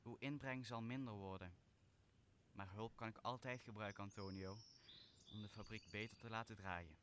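Casting: stern yet forgiving magician master played by a man, low and measured, for a radio play; slightly noisy recording. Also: steady tone, fairly bright tone, natural voice. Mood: gracious. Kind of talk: stage-like Shakespearean radio drama.

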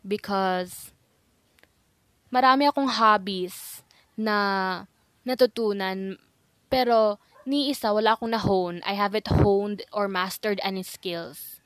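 A woman's voice: medium pitch, dry recording. A teenage girl from the Visayas with a Filipino accent, whose first language is Bisaya, chatting casually and rambling with giggles on her own podcast. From Visayas, Philippines. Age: mid-teens. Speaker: podcast host. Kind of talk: casual solo podcast chat.

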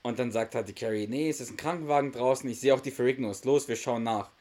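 Laughing German podcast host retelling a sitcom. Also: male voice, medium pitch, fast talker, a little mellow. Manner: laughs often, acts out the characters' lines while retelling. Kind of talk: casual podcast chat retelling a sitcom episode.

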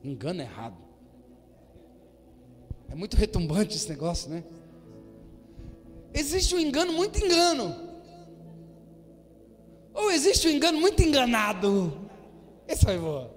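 A man preaches to his congregation in an unusually high voice, sometimes driving his points home with a shout. His words ring out with a long reverb through a church hall, and soft music plays faintly behind him. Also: wildly swooping pitch, unhurried, pauses often. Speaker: pastor. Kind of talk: sermon.

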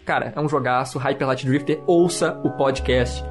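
A man's voice: mid-range voice, normal speed. A man with a Brazilian Portuguese accent hosting a podcast in casual, slangy, enthusiastic review chat. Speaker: podcast host. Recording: music behind the voice.

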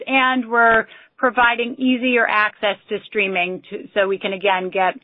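A woman company executive answering questions on an earnings call in measured corporate language. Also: medium pitch, no room sound. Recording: muffled, band-limited conference call audio.

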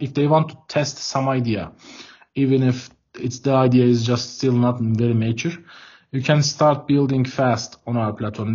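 Turkish accented guy on a video call, keeps restarting his sentences, mellow kinda husky voice, muffled audio. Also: medium pitch. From Turkey. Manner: hesitant, repeats words and leans on filler words. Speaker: guest, product head of a developer tool startup. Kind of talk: casual interview answers.

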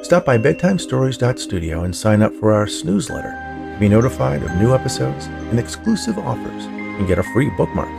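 A man's voice: mid-range voice, big pitch swings, a little fast, gravelly, music in the background. A man narrating scripted fiction in an audiobook style, as the host of a story podcast.

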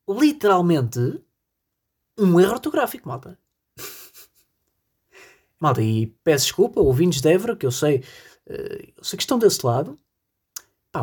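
Podcast host: husky, rambling, jokey solo bit aimed at the listeners. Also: medium pitch, darkish tone. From northern Portugal. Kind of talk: solo comedic podcast monologue.

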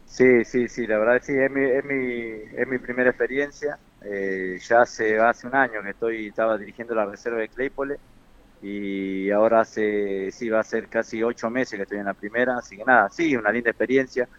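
A man, a football coach, answering radio interview questions in a halting way with repeated words. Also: fairly low pitch, fairly even intonation, a bit bright, dull audio. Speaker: football coach and former player.

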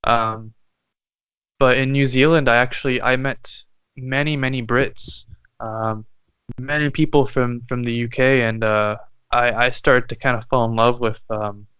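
A young man from Canada whose first language is French, a musician guest speaking thoughtfully with many pauses and fillers. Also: medium pitch, fairly even intonation, fairly bright tone, clear, resonant tone, no echo, muffled recording. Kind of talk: casual interview chat.

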